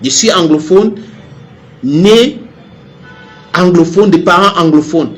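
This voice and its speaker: A man's voice: sits high, slow pace, faint music behind. Heated, stammering Cameroonian man ranting. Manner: heated, repeats himself, stammers on restarts. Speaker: online commentator. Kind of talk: impassioned direct-to-camera rant.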